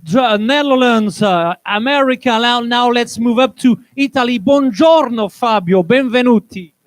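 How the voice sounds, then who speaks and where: A man hosting a live event on stage as an energetic emcee who hurries people along. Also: very high-pitched, measured pace, no echo. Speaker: event host.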